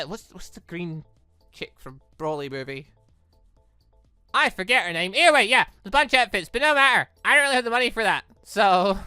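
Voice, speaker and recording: A male gaming host chats casually through a playthrough in a bright, crisp voice. His pitch swings freely as he rambles and breaks off his own sentences, with faint music underneath. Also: dry recording, studio quality. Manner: rambling, self-interrupting.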